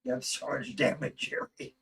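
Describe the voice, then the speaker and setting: A man's voice: a little slow, a bit bright, far from the mic, slight background noise. A man co-hosting a casual livestream, blunt and matter-of-fact, adding short remarks and corrections.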